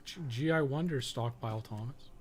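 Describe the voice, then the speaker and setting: A man with a mid-pitched voice chats casually through a live game stream. He rambles in a loose, self-amused way and curses freely. There is some light noise behind his voice. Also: normal speed. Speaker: video game streamer and podcast co-host.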